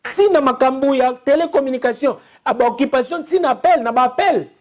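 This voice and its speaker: A man's voice: extremely high pitch, brisk. A young man from Congo with a Congolese accent, giving an impassioned online TV commentary full of repeated, rallying appeals to his listeners. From Democratic Republic of the Congo. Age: young adult.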